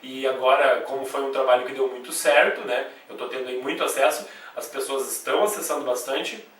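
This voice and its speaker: A male Brazilian grammar teacher giving a video lesson, explaining step by step, spelling sounds out slowly and often checking in with the class. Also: mid-range voice, fairly bright tone. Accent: Brazilian Portuguese. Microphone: camcorder mic away from the speaker. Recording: echoey room, voice from a distance.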